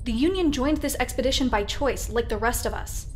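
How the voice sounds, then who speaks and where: Woman acting fair-minded lady space captain, ex soldier, higher voice, measured and in command, sci-fi audio drama w/ faint music. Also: close to an everyday voice. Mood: earnest, reasoning. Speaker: captain and defense adjutant.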